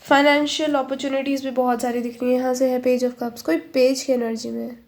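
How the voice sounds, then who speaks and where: A woman doing a casual tarot reading, chatty and switching between Hindi and English, talking slowly because she is unwell. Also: high voice, level tone, darkish tone, a little hiss or hum. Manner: chatty, mixing Hindi and English, many fillers. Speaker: tarot reader.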